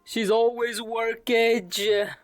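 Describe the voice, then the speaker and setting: A man's voice: extremely high pitch, level tone, very slow, dry recording, soft background music. A man doing casual gaming stream commentary, rambling and thinking aloud with some salty language. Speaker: game livestreamer.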